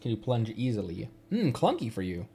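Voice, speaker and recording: A man's voice: medium pitch, wildly swooping pitch, moderate pace, creaky, mellow, a little hiss or hum. A man giving casual, rambling gameplay commentary as a livestreamer, thinking aloud and often questioning himself. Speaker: game livestreamer. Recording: game music behind the voice. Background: video game music.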